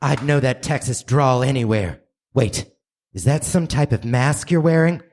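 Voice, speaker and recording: A man's voice: mid-range voice, normal speed, darkish tone, natural voice. A man playing an earnest, dramatic action hero in a live comedic radio play. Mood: urgent. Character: earnest heroic action sidekick, urgent and dramatic.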